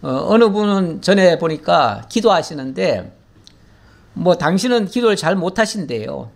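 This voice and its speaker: A man's voice: high voice, very animated, unhurried, gravelly. A middle-aged male pastor giving a folksy, conversational Bible teaching sermon, acting out prayers in a pleading voice. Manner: folksy, acts out prayers in a pleading voice, laughs often.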